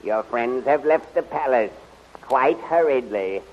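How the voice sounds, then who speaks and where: A smug, taunting palace villain in a 1930s radio drama. He speaks suavely at a medium pitch, with deliberate hesitations. The old recording is muffled, with light noise. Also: animated. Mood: smug, mocking. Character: smug, mocking male villain of a palace court. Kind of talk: 1930s radio serial acting.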